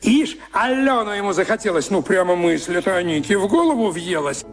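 A man's voice: high-pitched, lively intonation, brisk, loud music behind the voice. A man narrating a rhymed folk tale for a radio play in a playful, declamatory theatrical manner. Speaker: storyteller.

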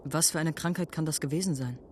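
An actor in a radio drama playing an uneasy young white boy living among Comanches, speaking hesitantly and often quietly. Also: mid-range voice, fast, a little hiss or hum, close to an everyday voice. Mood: grave, uneasy. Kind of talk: German radio drama dialogue and first-person narration. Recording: music under the voice. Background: music.

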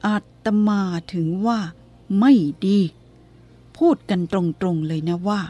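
Blunt calm old monk, woman reading him, firm and straight, mellow tone. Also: medium pitch. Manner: plain-spoken, firm, unhurried. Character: calm blunt elderly male abbot.

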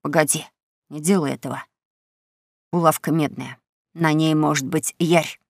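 A boy who takes the lead talks in a low, secretive whisper, as a woman voices him. The storybook reading is close and dry, with a gravelly grain. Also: steady tone, normal speed, dry recording. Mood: hushed. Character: boy, the bolder leader, whispering. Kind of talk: audiobook character reading.

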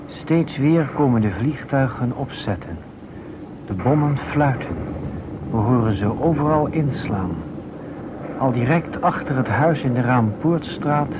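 Grave male narrator, muffled noisy recording. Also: mid-range voice. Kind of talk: dramatic scripted documentary narration in a radio play. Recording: muffled old radio recording, clear noise.

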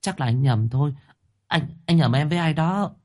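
A man's voice: mid-range voice, lively intonation, normal speed, dark tone, breathy edge. A man voicing a tearful young woman who pleads with stammering, sobbing words. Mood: pleading.

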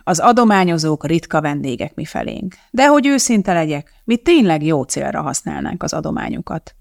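A reader voicing a sly, sarcastic older male bishop who runs an orphanage, speaking smoothly and evasively. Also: a little high, very animated, no room sound, studio quality.

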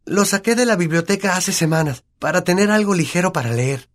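A man voicing a bossy, eager know-it-all schoolgirl who talks in excited, insistent bursts. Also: sits high, a little fast, pitched above the performer's own voice.

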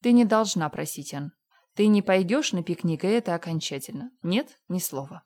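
Stern scolding middle-aged spinster, voiced by a woman narrator, sharp and raised. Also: fairly low pitch, lively intonation, normal speed.

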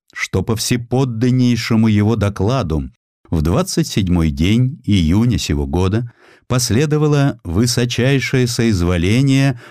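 A man's voice: fairly low pitch, mellow, dry recording, studio quality, voice pushed up. A man voicing a courteous imperial treasury official's formal letter in an audiobook, in a ceremonious manner. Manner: ceremonious, bureaucratic.

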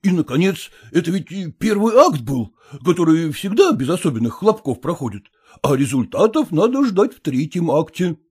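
A man's voice: a little high, big pitch swings, normal speed, darkish tone, slightly rough. A man voicing a middle-aged actor who earnestly soothes his upset wife. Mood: soothing.

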